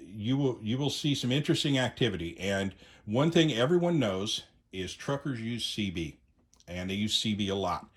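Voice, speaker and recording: A middle-aged man with an American accent speaks in a fairly low voice, as a video host talking off the cuff. He shares his opinions conversationally, pausing often as he finds his phrasing. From United States. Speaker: YouTube host, amateur radio enthusiast. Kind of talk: unscripted opinion monologue to viewers.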